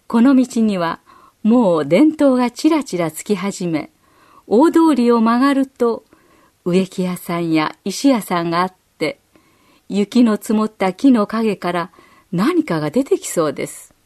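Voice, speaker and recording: A woman narrating a children's story in a gentle, measured storytelling manner. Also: mid-range voice, expressive. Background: faint music.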